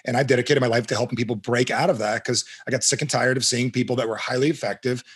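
A middle-aged man from New Jersey, a guest coach and author, talking confidently with a punchy salesman's push and quick repeats. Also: medium pitch, fairly even intonation, a bit bright, breathy edge. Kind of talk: energetic self-introduction in an interview.

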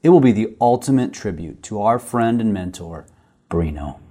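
A man reading a scripted tribute introduction in a solemn, measured way. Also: fairly low pitch, expressive, mellow, breathy edge. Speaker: announcer.

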